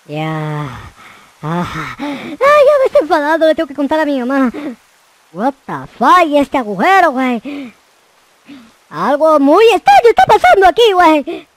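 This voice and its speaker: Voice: high voice, fairly bright tone. A gaming host giving theatrical, exclamatory commentary with roleplay and plenty of slang.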